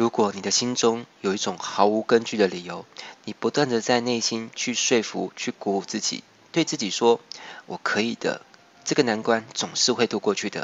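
In a Taiwanese accent, the speaker goes at a moderate pace with ordinary pitch variation. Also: man, medium pitch for a man. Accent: Taiwanese Mandarin. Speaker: motivational speaker. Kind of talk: motivational monologue. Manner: warm, gentle.

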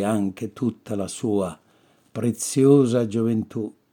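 At a very slow pace, a man with a dark, mellow tone speaks with ordinary pitch variation. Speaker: actor reading aloud to listeners. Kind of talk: literary audiobook reading of a Christmas story, with a storyteller's voice. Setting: home recording. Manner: expressive, playful storyteller with sly asides.

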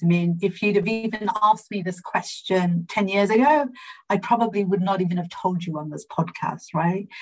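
Music plays in the background. Over it, a woman talks at a medium pitch. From England, Coventry. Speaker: business executive. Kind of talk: interview.

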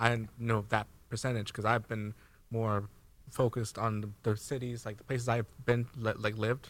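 A man with an American accent and medium pitch speaks at a moderate pace with monotone, flat intonation on a very clean recording with a silent background. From New York. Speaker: business owner. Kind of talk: casual chat.

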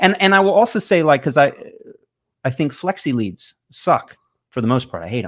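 Fairly high male voice with vocal fry, very wide pitch swings, a moderate pace and long, frequent pauses, on a very clean recording with a silent background. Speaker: retired police K9 handler and dog trainer. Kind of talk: casual chat.

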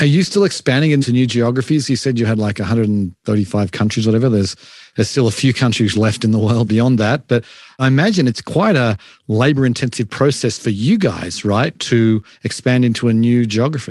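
A man speaks at a moderate pace with an Australian accent, his pitch medium and its variation ordinary. His loudness stays very even against a quiet background. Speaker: podcast host. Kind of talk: interview.

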